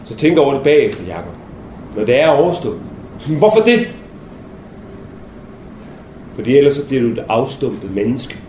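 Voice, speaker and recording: Dude putting on his stern captain, low and quiet, pressing hard, echoey room. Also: big pitch swings, pauses often, natural voice. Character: earnest male army captain, stern mentor. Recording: roomy, faint background noise.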